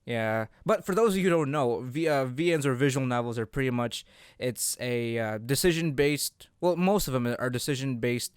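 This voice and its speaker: A man's voice: mid-range voice, moderate pace, clear, resonant tone, no room sound, studio quality. A man co-hosting a casual podcast chat, talking hesitantly and often searching for his words. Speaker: podcast co-host.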